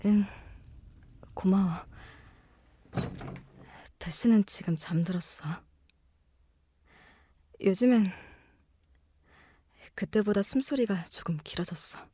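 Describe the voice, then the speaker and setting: A woman's voice: mid-range voice, slow, long pauses, mellow, breathy edge, dry recording. A young woman playing a devoted, worried young woman nursing her sick sister in an audio drama, earnest and emotionally open. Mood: tender, fearful.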